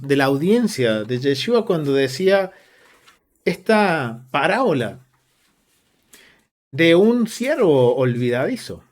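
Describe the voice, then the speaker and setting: Higher-voiced Argentine man teaching Bible. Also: darkish tone. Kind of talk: Bible study teaching, reading scripture aloud.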